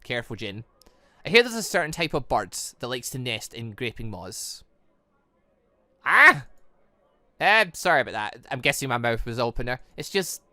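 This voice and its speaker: A man reading a visual novel aloud and commenting off the cuff, often stumbling and correcting himself as he rambles excitably. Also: medium pitch, no room sound. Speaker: gaming channel host.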